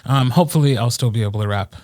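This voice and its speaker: A man's voice: medium pitch, very fast, darkish tone, dry recording. Easygoing middle-aged man, dry close mic. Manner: easygoing, wry, lots of fillers. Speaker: podcast co-host, audiobook narrator. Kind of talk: casual chat.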